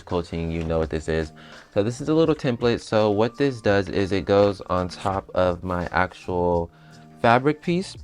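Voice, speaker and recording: A young man with a raspy voice, chatting casually through his sewing steps as a bag designer. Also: low-pitched. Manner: chatty, explains steps as he works. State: raspy voice after a night out.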